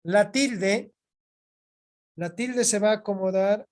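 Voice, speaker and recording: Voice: medium pitch, slow pace, a little mellow. A teacher giving an online class lecture, patient, repeating key points and checking in with the students often. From Bolivia. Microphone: video call microphone.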